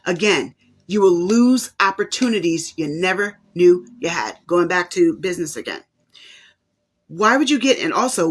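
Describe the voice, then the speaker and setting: A woman hosting a live-stream talk. She answers viewer comments in a casual way and repeats her key points for emphasis. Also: lowish voice. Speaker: host of a life coaching show.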